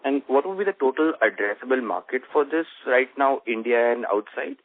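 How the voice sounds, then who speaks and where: A man with a medium-pitched voice on a band-limited phone line. He is an investor caller, putting formal questions to management in halting, broken-up phrases. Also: lively intonation, no echo. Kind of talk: conference call question. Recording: muffled narrow phone line.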